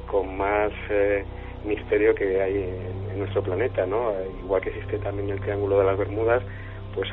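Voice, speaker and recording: Guy, deep flat voice, halting, sounds like phone. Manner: halting, many fillers. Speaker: investigator, radio guest. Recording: tinny phone-like radio clip.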